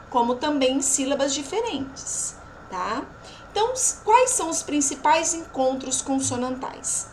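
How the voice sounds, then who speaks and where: High, lively woman teacher speaking slowly. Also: slight background noise, poor audio. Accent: Brazilian Portuguese. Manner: slow, drawn-out pronunciation of example words; frequent checking tags after each point. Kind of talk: recorded remote lesson.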